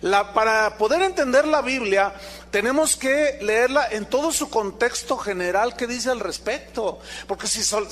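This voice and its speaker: A man's voice: high-pitched, fairly bright tone. A man preaching a sermon as pastor, emphatic and full of rhetorical questions to the congregation.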